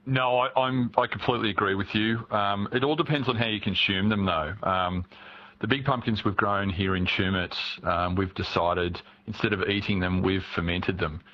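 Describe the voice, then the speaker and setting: A man with a low voice explains giant pumpkin growing in an easygoing way. The sound is dull and muffled, like a phone line. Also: steady tone, normal speed. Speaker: pumpkin grower guest.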